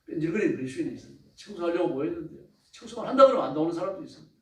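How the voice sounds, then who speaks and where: A man's voice: fairly high pitch, animated, racing, creaky, a bit bright. A male pastor preaching a sermon with emphatic, rising exclamations. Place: church sanctuary. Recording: echoey church from a distance.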